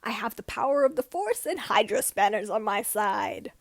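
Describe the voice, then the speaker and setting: An earnest young space pilot read by a woman, cheeky and a little bewildered. The voice is fairly high and closely recorded with little room sound, in audiobook style. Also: lively intonation, normal speed, gravelly, dry recording. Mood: wry, cheeky.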